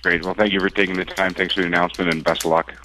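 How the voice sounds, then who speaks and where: A man's voice: low voice, little pitch movement, rapid-fire, bright, forceful tone, a little hiss or hum. A male reporter asking questions over speakerphone on a conference call.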